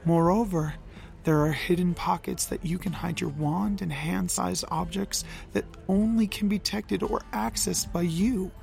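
A woman voicing Loki, a calm, fatherly male trickster god who speaks softly and formally. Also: on the low side, moderate pace, creaky, soft background music. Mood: gentle, apologetic. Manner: soft, composed, formal.

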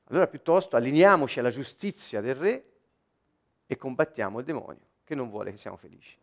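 A man preaching a sermon in an emphatic, animated way, often repeating words as he builds a point. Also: medium pitch, brisk.

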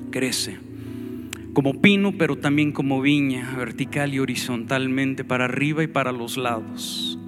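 A man with a Mexican accent preaching a sermon as pastor, fervent and storytelling, with exclamations. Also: a little high. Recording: sermon with loud music underneath.

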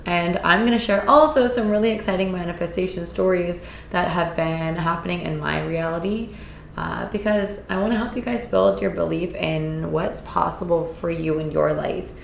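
Woman host, hoarse from a cold, gravelly low voice, earnest and upbeat, roomy echo. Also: moderate pace, slight background noise. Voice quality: raspy. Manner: upbeat, earnest, with filler words. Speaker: podcast host. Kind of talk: casual solo podcast talk. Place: indoors in Costa Rica.

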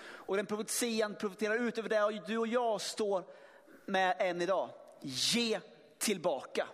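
Male preacher with a high voice giving an emphatic sermon in a church hall with long reverb. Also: fairly bright tone. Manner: emphatic, with many restarts and sudden swells in volume.

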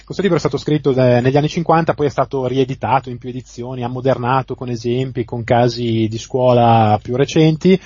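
Male co-host calling in over a phone line; dark, husky voice, dry and muffled. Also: medium pitch, no echo. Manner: measured, explanatory, with small restarts. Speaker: podcast co-host. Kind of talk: casual chat recommending a book.

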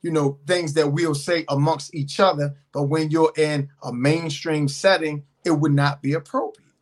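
A man with a Baltimore accent, co-hosting a casual talk show and explaining his points in a measured, repeating way. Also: fairly high pitch, flat delivery. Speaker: podcast co-host and radio host. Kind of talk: casual chat.

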